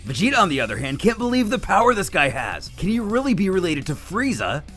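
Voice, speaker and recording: A man tells a story as a scripted recap over faint music. His voice sits a bit high and swings lively up and down. He plays up the drama and slips in dry, joking asides. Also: quick pace. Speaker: narrator of a fan manga recap video.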